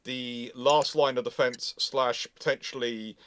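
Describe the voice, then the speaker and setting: A man's voice: medium pitch, steady tone, a little slow, a bit bright, clear, resonant tone, no room sound. A man explaining things emphatically in a live question-and-answer discussion, often restarting his phrases. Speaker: host and naval historian answering questions.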